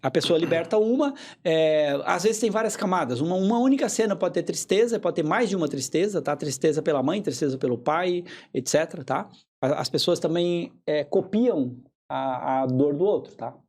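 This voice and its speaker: A man being interviewed as a hypnotherapist, explaining in a measured way and repeating key phrases for emphasis. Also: a little high, darkish tone. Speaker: hypnotherapist guest.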